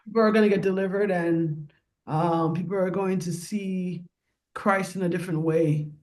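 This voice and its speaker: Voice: mid-range voice, steady tone, moderate pace, a little mellow. Upbeat podcast host in their forties. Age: 40s. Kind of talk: casual interview chat.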